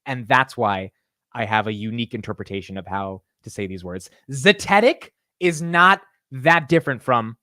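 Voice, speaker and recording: Animated young man chatting on a livestream. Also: mid-range voice, moderate pace, no room sound, clean studio sound. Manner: animated, self-mocking, talks to chat. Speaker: livestream host. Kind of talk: casual livestream chat.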